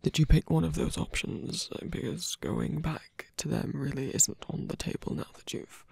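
A man acting a lovestruck villain in an ASMR roleplay, flirtatious yet sincere and protective, confessing haltingly in a breathy, husky voice that often drops to a whisper. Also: a little high, animated, a little mellow, no echo, studio quality, heavily acted. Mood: earnest, pained. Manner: halting, hesitant confession with small sighs. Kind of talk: ASMR roleplay, intimate one-sided dialogue.

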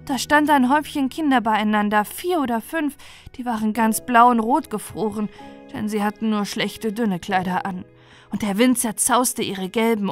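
A woman narrating a bedtime fairy tale as a storyteller. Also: medium pitch. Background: music.

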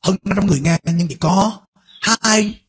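A middle-aged male pastor preaching a fervent sermon, dropping to a hush and then rising to shouts. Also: sits high, normal speed, husky. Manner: impassioned preaching, swings between hushed and shouted.

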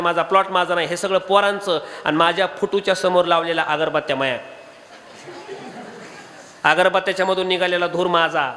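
A man with a Marathi accent preaching a devotional kirtan sermon, animated and throwing rhetorical questions at the audience. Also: high voice, long reverb tail.

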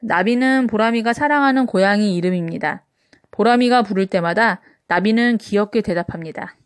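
A woman narrating a children's picture book aloud in an expressive read-aloud style. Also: medium pitch, moderate pace, no room sound, clean studio sound. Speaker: storybook reader.

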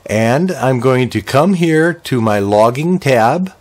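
An older American man in his sixties walks listeners through a software tutorial. He explains each step plainly and conversationally, with a medium-pitched voice. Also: animated, slow pace. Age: older, around 60s. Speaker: video tutorial presenter.

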